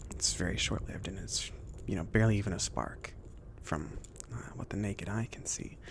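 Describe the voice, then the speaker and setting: A man playing a chill, friendly mage in an ASMR roleplay, speaking softly between whisper and murmur in a casual, hesitant, rambling way. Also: sits low, moderate pace, noisy background. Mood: relaxed, explanatory. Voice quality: soft, breathy whispering mixed with murmured speech. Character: chill, friendly male mage kindly outfitting his apprentice.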